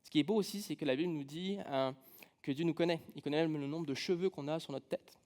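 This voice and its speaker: A preacher from France with a slightly high voice gives a relaxed sermon in a church. He speaks with a French accent from France, tells personal stories and adds a touch of humour. His speech is informal and full of fillers. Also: quick pace. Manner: casual, humorous, personal storytelling with many fillers. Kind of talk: conversational sermon. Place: church sanctuary.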